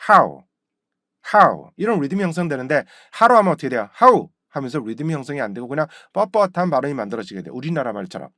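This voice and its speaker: A man's voice: mid-range voice, big pitch swings, rapid-fire, few pauses, a bit bright, no echo, studio quality. A man teaching English pronunciation in Korean, repeating model words over and over with stressed emphasis. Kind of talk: pronunciation lesson.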